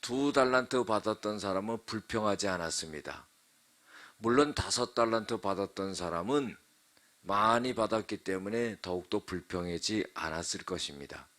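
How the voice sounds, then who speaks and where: A male pastor delivers an early-morning sermon in a somewhat low voice. He speaks earnestly in measured phrases and addresses the congregation directly from a temporary church sanctuary. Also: a bit bright.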